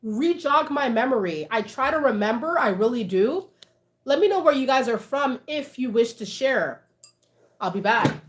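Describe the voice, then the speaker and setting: A woman's voice: fairly high pitch, lively intonation, normal speed. A woman, chatting casually with livestream viewers, reading out their comments and laughing often. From Canada. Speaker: livestream host.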